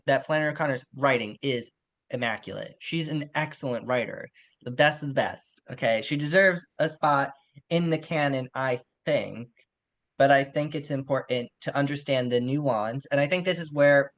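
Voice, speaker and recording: A man's voice: mid-range voice, fairly bright tone. A man co-hosting a podcast, discussing literature in a colloquial, slangy and opinionated way. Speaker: podcast co-host.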